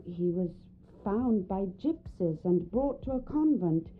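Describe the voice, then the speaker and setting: A woman's voice: medium pitch, lively intonation, measured pace, slight background noise, close to an everyday voice. A woman playing an anxious, earnest young married lady, polite and genteel, in a radio drama. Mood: earnest, guarded. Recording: tinny, narrow band like phone line.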